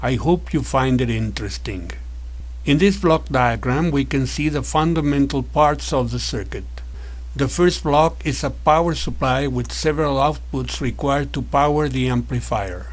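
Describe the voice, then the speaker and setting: A man with a mid-range voice narrates a scripted electronics tutorial, taking the role of instructor. He explains each point in a measured, methodical way.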